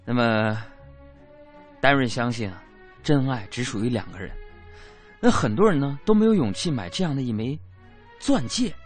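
A man's voice: mid-range voice, lively intonation, normal speed, long pauses, soft background music. A young man performing a stand-up comedy monologue, telling chatty stories with colloquial asides and self-mocking punchlines.

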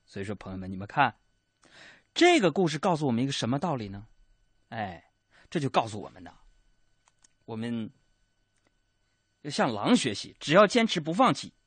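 Lively husky man. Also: mid-range voice, normal speed, pauses often, no room sound. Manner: animated joking, laughs at his own punchlines. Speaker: radio host. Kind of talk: comic radio monologue. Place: radio studio.

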